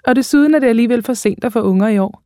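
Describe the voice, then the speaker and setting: A woman's voice: on the high side, warm tone, no room sound, clean studio sound, pitched above the performer's own voice, lightly acted. Victoria, a woman reading a cheerful young woman. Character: young woman, cheerful new house owner.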